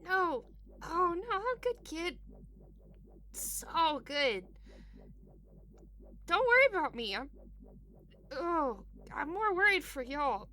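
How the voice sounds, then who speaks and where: A woman playing a battered, stubborn, foul-mouthed captive in an audio drama, wry and defiant with a creaky voice. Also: very high-pitched, sing-song, takes it slowly, pauses often, bright, forceful tone, faint music behind, exaggerated voice. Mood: pained, wry.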